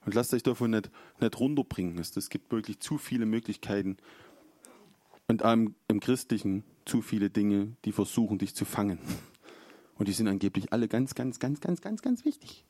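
A man's voice: fairly low pitch, fairly even intonation, normal speed, mellow, no room sound. A man preaching an informal sermon, chatty and storytelling, acting out quotes along the way.

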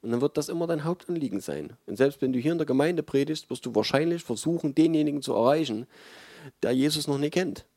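A man preaching a sermon in a relaxed, mellow voice, talking to his congregation in a conversational and emphatic way with frequent fillers. The sound is dry and close, with little room around it. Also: on the high side, quick pace, no echo.

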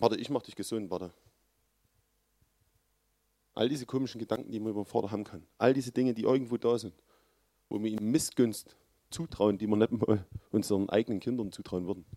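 A man preaching a sermon, with earnest, loud emphasis that drops to low, quiet lines. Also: dry recording, clean studio sound.

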